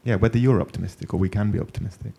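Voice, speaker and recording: A man's voice: fairly low pitch, racing, creaky, dark tone, slightly rough. A man moderating a panel discussion, asking questions and telling anecdotes in a thoughtful, loosely phrased way. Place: panel event.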